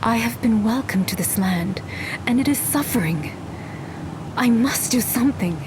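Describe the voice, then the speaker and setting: An actress playing a solemn, solitary guardian of nature in a video game, speaking in plain, formal phrases. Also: female voice, on the high side, animated, normal speed, noisy background, lightly acted. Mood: troubled. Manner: plain, uncontracted formal speech.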